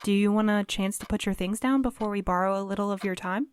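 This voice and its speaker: A woman's voice: medium pitch, fast talker, smooth, dry recording, studio quality, lightly acted. A woman playing a diplomatic, level-headed courier in an audio drama, speaking in a careful, placating way.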